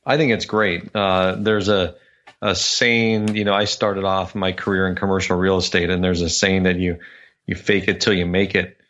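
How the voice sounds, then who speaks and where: A man in casual conversation, speaking thoughtfully with many pauses and fillers. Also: low-pitched, flat delivery, fairly bright tone, dull audio. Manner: hesitant, lots of fillers.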